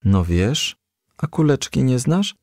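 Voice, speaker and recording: Man reading a coaxing female firefly, animated pitch. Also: slow, no echo, clean studio sound. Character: female firefly confidante, coaxing, practical, firm.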